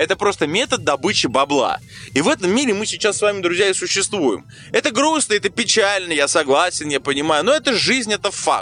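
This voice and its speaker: Speaking at a fairly quick pace with very wide pitch swings, a man comes through dry and close with no echo despite noticeable background noise. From Russia. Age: 30s. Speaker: podcast host. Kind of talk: spontaneous monologue.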